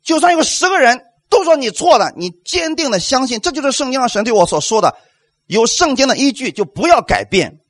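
A man's voice: very high-pitched, big pitch swings, fairly quick, no room sound. A male pastor delivering a sermon, emphatic, asking the congregation rhetorical questions and acting out quotes.

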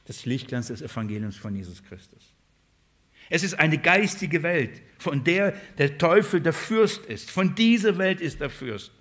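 Man, preacher, Bible-study sermon, slightly high voice, asks and answers his own questions. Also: very animated, unhurried, fairly bright tone. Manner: poses questions to the listeners and answers them himself.

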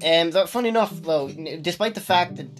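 A man's voice: on the high side, lively intonation, brisk, over loud music. A young man from Ireland with an Irish accent, co-hosting a casual podcast and rambling with many restarts, recorded on a phone. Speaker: podcast co-host. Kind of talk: casual chat. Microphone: phone on the table.

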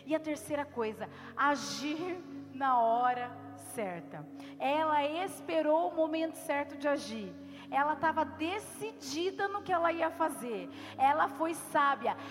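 A woman preacher delivering a sermon in an earnest manner, slowing down to stress single words. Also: sits high, long reverb tail. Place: church.

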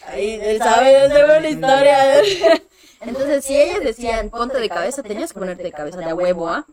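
A young Mexican woman with a Mexican accent, telling personal stories in a casual chat, full of fillers and animated asides. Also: sits high, normal speed, over a noisy crowd. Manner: chatty, animated, many fillers like "este". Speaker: guest.

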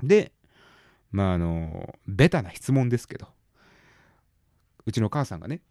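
Lively chatty man, dry close sound. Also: fairly low pitch, normal speed, dry recording. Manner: rambling, chatty, with hesitant fillers; bursts into exaggerated exclamations. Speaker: podcast host. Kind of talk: casual solo chat.

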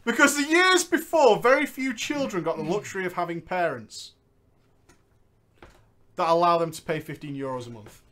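A man hosting a comedic show, reading viewer stories aloud and bantering with a co-host, laughing often and jumping between loud bursts and quiet asides. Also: sits high, animated, moderate pace.

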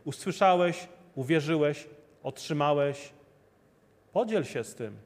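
A man's voice: on the high side, animated, measured pace. A man preaching a sermon, earnestly repeating rhetorical questions to his listeners. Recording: long hall reverb.

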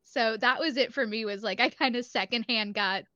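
A woman's voice: on the high side, normal speed, sharp tone, dry recording, highs cut off. A woman voice actor chatting on a panel, telling anecdotes and acting out quoted dialogue. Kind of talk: casual panel chat.

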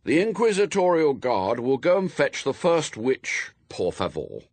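A man's voice: mid-range voice, very animated, unhurried, darkish tone, no echo, pitched above the performer's own voice. A man voicing a self-important boy who leads a gang in a storybook, firm and pompous, declaiming his orders.

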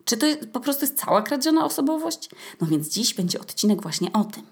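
Brisk and very animated, a young woman with a fairly high-pitched voice delivers a casual solo podcast monologue as host. She keeps it chatty and colloquial, with a playfully ironic edge.

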